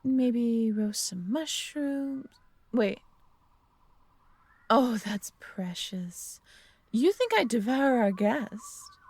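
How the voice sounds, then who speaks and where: A woman's voice: fairly high pitch, animated, drawn-out words, long pauses, darkish tone, dry recording, heavily acted. A woman playing a proud, flirtatious female dragon in a fantasy audio drama, theatrical and teasing with grand wording. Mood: suave, teasing. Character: proud female dragon guardian, suave, flirtatious, quick to offense. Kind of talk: fantasy audio roleplay acting.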